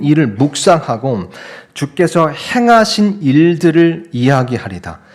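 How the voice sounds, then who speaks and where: Noticeable background noise can be heard. The speaker's intonation is lively. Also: man. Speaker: pastor. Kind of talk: sermon.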